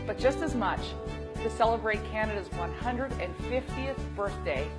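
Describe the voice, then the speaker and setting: A woman politician giving a proud, steady, upbeat prepared statement. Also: medium pitch, moderate pace. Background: music.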